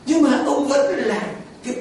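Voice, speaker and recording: A man preaching a lively Catholic homily, animated and colloquial, full of rhetorical questions. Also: very high-pitched, normal speed. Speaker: priest. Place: church. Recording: echoey hall from far off, faint noise.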